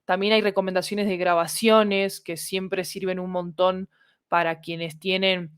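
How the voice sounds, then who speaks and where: A woman's voice: on the low side, flat delivery, measured pace, smooth. A woman with a Latin American Spanish accent talks casually on a podcast, explaining things and checking in with little tag questions. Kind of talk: casual conversational podcast talk.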